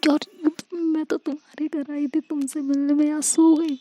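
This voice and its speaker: A woman's voice: sits high, level tone, normal speed, mellow, voice pushed up, lightly acted. A woman voicing a flustered, bossy young girlfriend who scolds in a casual, exasperated way.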